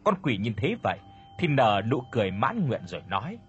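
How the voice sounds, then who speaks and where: A man narrating a ghost story in a dramatic, expressive storytelling manner. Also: mid-range voice, fairly quick, muffled recording, a little hiss or hum.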